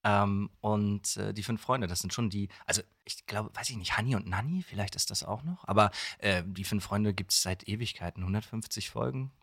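A man's voice: on the low side, normal speed, gravelly, hardly any pauses, fairly bright tone, dry recording, clean studio sound. A young man chatting casually as a podcast guest, modest and easygoing. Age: young adult. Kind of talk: casual interview chat.

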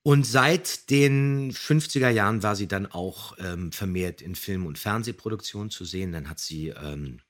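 A man's voice: low-pitched, normal speed, few pauses. A man hosting a podcast, chatting about an audio drama in a hesitant, searching way. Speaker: podcast host.

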